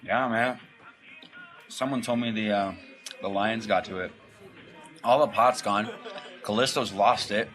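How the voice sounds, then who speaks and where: A lowish male voice plays a casual street gang member in an audio drama. He talks slangily and loosely, with music in the background. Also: a little slow, pauses often, a bit bright, poor audio. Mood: gossipy. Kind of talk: full-cast audio drama, casual chat.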